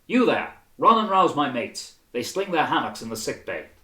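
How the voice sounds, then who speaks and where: Man as a blustering bulky ship's surgeon, raised pitch. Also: big pitch swings, moderate pace, pushed and bright, roomy sound. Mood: bossy, agitated. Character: bulky, bleary, demanding male ship's surgeon.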